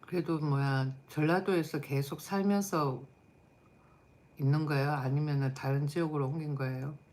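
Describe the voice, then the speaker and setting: A woman's voice: sits low, fairly even intonation, normal speed, darkish tone. A middle-aged woman hosting a live stream, chatting casually and bluntly with viewers while tired. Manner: blunt, chatty, answers chat comments aloud.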